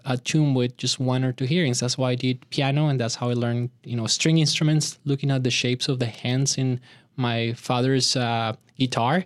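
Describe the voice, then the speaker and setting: A man's voice: medium pitch, little pitch movement, no room sound. Colombian-born man, middle-aged, reflective interview guest, dry close mic. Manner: thoughtful, halting with many fillers. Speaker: guest, orchestra director. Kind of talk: radio interview.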